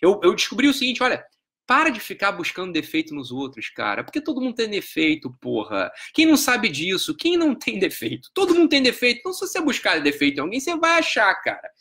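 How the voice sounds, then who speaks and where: A man with a Brazilian Portuguese accent lectures on psychology at a fast clip, his high voice swinging up and down. His tone is bright and pointed, emphatic and sprinkled with swearing. He keeps asking whether you're following. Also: huge pitch swings. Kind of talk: live-stream lecture.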